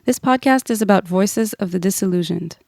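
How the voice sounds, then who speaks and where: A woman's voice: medium pitch, fairly quick, no echo, clean studio sound. A woman in her thirties from Israel hosting a podcast. She reads an earnest scripted intro, then chats casually with her guest. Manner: earnest, then relaxed and chatty. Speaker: podcast host.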